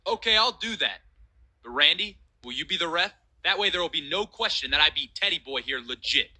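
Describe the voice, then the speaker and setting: A man's voice: fairly high pitch, lively intonation, a little fast, sharp tone, exaggerated voice, poor audio. A young man voicing a wrestler in a game cutscene, bickering defensively with his tag partner. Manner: whiny, defensive. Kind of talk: video game cutscene dialogue.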